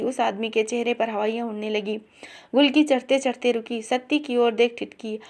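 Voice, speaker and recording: Woman reading a story aloud, higher voice. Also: darkish tone. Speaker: story reader. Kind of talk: storytelling narration.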